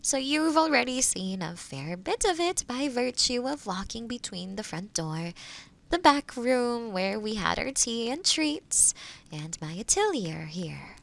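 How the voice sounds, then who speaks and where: A gentle, solitary witch of the woods voiced by a woman talks to the listener in a fantasy audio roleplay. Her voice is fairly high and soft, with a breathy edge and plenty of creak. She takes her time, choosing formal, old-fashioned words with curious, thoughtful courtesy. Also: big pitch swings, unhurried, exaggerated voice. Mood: warm, welcoming.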